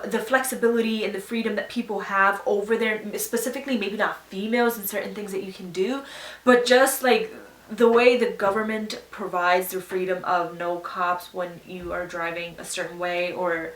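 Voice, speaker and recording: A woman's voice: mid-range voice, fairly bright tone, distant mic. Young woman from pakistan doing a casual q&a, earnest and opinionated, sits back from the mic in a roomy echoey space. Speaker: YouTuber answering viewer questions. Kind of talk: casual Q&A chat. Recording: echoey room, voice a bit off-mic.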